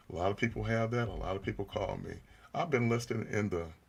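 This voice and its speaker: Somewhat breathy, a man speaks at a very fast pace with a fairly low pitch and ordinary pitch variation. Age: 60s. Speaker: political candidate. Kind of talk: radio interview. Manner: hesitant, many fillers.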